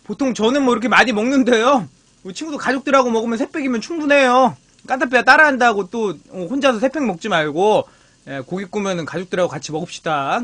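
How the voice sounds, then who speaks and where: Guy doing a mukbang stream, high bright voice, joking around with chat, meat sizzling in the back. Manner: chatty, teasing, talks to chat as friends. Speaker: live-stream mukbang host. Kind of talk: casual live-stream chat while grilling. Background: meat sizzling on a grill.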